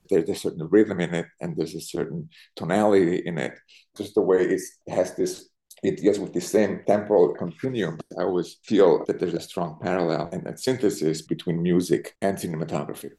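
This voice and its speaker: Low, mellow-voiced Swiss-born man. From Switzerland. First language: Italian and Swiss German. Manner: thoughtful, searching for words with restarts. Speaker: cinematographer, interview guest. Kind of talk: reflective interview answers.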